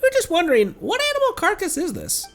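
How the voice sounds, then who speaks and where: A man reading game dialogue as a small, chirpy, eager girl companion in a squeaky childlike voice. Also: wildly swooping pitch, a little fast, soft background music, exaggerated voice. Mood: curious. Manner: bright-spirited, squeaky, childlike.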